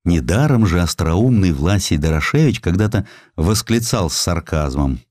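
A man reading a historical sketch as an audiobook narrator, in an expressive, theatrical storytelling style. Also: deep voice, moderate pace, no echo, studio quality. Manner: theatrical, dramatic storytelling delivery.

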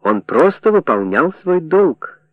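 Мужчина-чтец озвучивает иностранную журналистку, говорит размеренно и искренне. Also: male voice, on the high side, very animated, slow, no room sound, voice pushed up, heavily acted. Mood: earnest. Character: foreign woman journalist, calm and earnest. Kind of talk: audiobook character reading. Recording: dry narrow phone-like sound.

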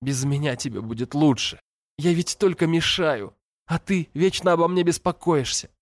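Guy reading out a wrecked teen boy crying, voice cracking way up high, dry close sound. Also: moderate pace, no echo, close to an everyday voice. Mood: despairing sobbing. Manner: broken, tearful pleading. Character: despairing, sobbing teenage boy.

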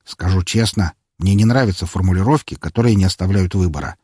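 A man's voice: sits low, brisk, warm tone, breathy edge, no room sound. A man narrating first-person fiction in a wry, matter-of-fact way. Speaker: audiobook narrator.

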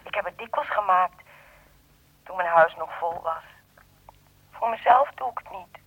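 An actress playing a lonely, solicitous old lady with a husky voice in a radio play. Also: on the low side, unhurried, fairly bright tone, no room sound, rough recording. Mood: lingering, solicitous. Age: older.

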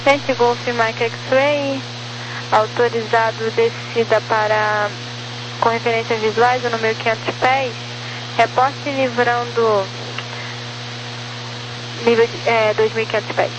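A woman's voice: fairly high pitch, steady tone, slow, long pauses. A Brazilian woman working as an air traffic controller, giving clipped procedural instructions over crackly military-style radio. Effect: aviation radio transmission. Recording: noisy humming aviation radio.

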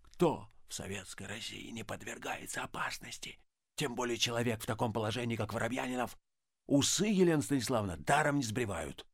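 A man voicing an excitable, hot-headed locksmith who blusters, shouting and then dropping to a hush. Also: mid-range voice, fairly quick, breathy edge, dry recording, studio quality. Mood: conspiratorial.

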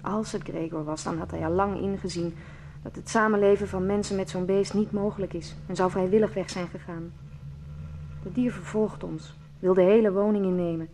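An actress playing an exhausted, resolute young sister in a radio drama, speaking insistently and with emphasis. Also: female voice, medium pitch, fairly even intonation, moderate pace, dark tone, a little hiss or hum, close to an everyday voice. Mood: desperate, resolute. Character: exhausted, resolute young sister turning against her brother.

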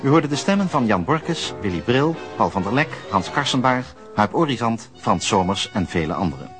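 A man's voice: medium pitch, sing-song, moderate pace. A man reading scripted closing credits as the announcer of a radio drama series. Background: music.

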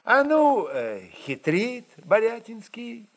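A man's voice: extremely high pitch, very animated, slow pace, voice pushed up, heavily acted. A man voicing a doubtful, cautious peasant adviser among rebels, hesitant in speech, in a literary radio drama.

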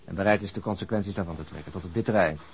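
Wry easygoing detective in a radio drama, lowish voice, chatty and a bit teasing. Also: male voice, rapid-fire. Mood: frank, reflective. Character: wry, easygoing male police detective, reporting with relish. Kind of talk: naturalistic radio drama dialogue.

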